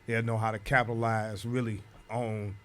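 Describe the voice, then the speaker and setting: A man's voice: on the low side, level tone, moderate pace. A man, talking as a guest DJ in a casual radio interview, laid-back and drawling, chuckling between thoughts. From Detroit, USA.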